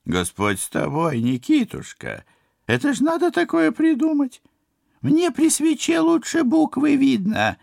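A man's voice: very high-pitched, wildly swooping pitch, unhurried, creaky, a little mellow, no room sound, studio quality, pitched above the performer's own voice, heavily acted. A man voicing a shrewd, motherly old village crone who talks in a folksy, wheedling way. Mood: protesting.

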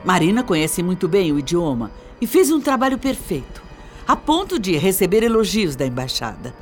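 A woman's voice: on the low side, big pitch swings, normal speed, soft background music. A woman acting a shrewd, middle-aged Brazilian wife and mother in a radio soap opera, earnest and emphatic in her persuasion. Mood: placating.

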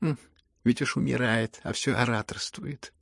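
A man reading a storybook who voices a stern middle-aged noblewoman, shrill and indignant as she scolds. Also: moderate pace, gravelly, fairly bright tone, dry recording, studio quality. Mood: alarmed.

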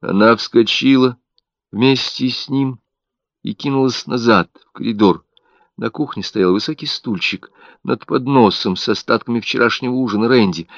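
A man narrating an audiobook with an expressive, dramatic delivery. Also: medium pitch, dry recording. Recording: dull, dry audiobook recording.

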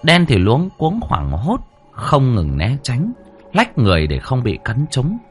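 A man narrating a scripted story with dramatic, expressive delivery. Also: mid-range voice, measured pace, faint music behind.

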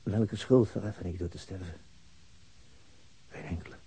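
A man's voice: low-pitched, steady tone, moderate pace, mellow, breathy edge, heavily acted. An actor playing a wounded, dazed policeman murmuring weakly to himself in a radio drama monologue, as if near death. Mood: weary, despairing. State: weak, whispering, near death.

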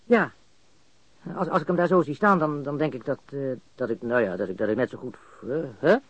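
An actor playing a baffled, cocky and coarse murder suspect in a radio crime drama, stammering and repeating words. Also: male voice, mid-range voice, a little fast, husky, no room sound, lightly acted. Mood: puzzled, uneasy. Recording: dull, lo-fi radio recording.

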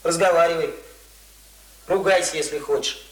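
An actor in a radio play playing an earnest, argumentative young village student who lectures insistently and colloquially. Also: male voice, on the high side, steady tone, moderate pace, a bit bright, close to an everyday voice. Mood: dreamy, enthusiastic. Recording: roomy, echoing radio drama recording.

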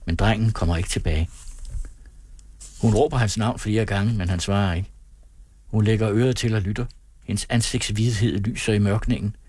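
A man reading a novel aloud as an audiobook narrator, calm and measured in his storytelling. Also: on the low side, dry recording. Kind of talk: scripted narration.

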